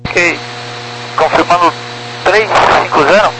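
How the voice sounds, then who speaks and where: A Brazilian man pilots and talks over a crackly, military-sounding radio, buried in heavy static and hum. His voice sits a little high, and he gives short, clipped readbacks. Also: takes it slowly. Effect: crackly aviation radio transmission. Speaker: pilot on air traffic radio.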